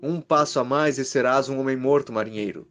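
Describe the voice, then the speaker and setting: A man's voice: medium pitch, fairly quick, a bit bright, faint music behind, close to an everyday voice. A man voicing a cold, vengeful man who gives threats and orders dryly, in a horror story. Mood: cold commanding. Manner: dry, commanding, threatening. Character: cold, menacing man, a vengeful jealous husband with revolver.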